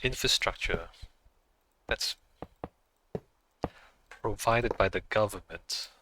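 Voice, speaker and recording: A man's voice: fairly low pitch, slow, pushed and bright, slight background noise, poor audio. A man who is not a native English speaker, chatting casually on a game livestream, thinking aloud and musing with small laughs.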